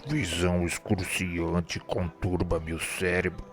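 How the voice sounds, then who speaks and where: A man's voice: sits low, fairly even intonation, takes it slowly. A man acting a tormented, remorseful killer in a radio drama, solemn and declamatory in formal literary speech. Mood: haunted, troubled. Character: tormented, remorseful man haunted by his murder.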